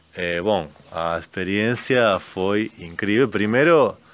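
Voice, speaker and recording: A man with a Spanish accent speaks at a very slow pace, his pitch varying in an ordinary way. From Uruguay. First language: Spanish (speaking Portuguese). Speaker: circus performer. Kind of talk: recorded testimonial. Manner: halting.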